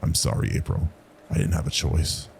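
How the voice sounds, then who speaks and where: A man's voice: normal speed, a little mellow, slight background noise, close to an everyday voice. A man voicing a timid, apologetic rural boy in a horror story, speaking in an earnest, folksy way. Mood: tearful, guilty.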